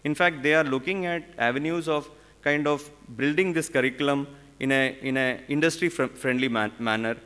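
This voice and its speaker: A man in his forties with an Indian English accent gives a conference panel talk from a podium microphone on stage in a large hall. His voice is mid-range, bright, forceful, clear and resonant, but he speaks haltingly, with many "uh"s and restarts. A long reverb from the big hall trails behind him.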